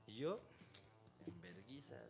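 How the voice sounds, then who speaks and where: A man's voice: mid-range voice, slow pace, faint music behind. A young man with a Mexican Spanish accent tells a story in casual chat, full of slang and swearing. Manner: profane, animated, slangy.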